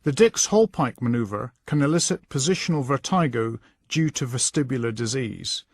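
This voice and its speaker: A man reading scripted instructional narration in a measured, instructing manner. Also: medium pitch, lively intonation, husky, no echo, studio quality. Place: dry voice-over recording.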